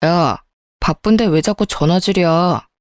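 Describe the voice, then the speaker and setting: A woman's voice: on the low side, measured pace, no echo, studio quality, lightly acted. Woman narrator doing a curt husband, irritated and dismissive, near her own voice. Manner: brusque and irritated.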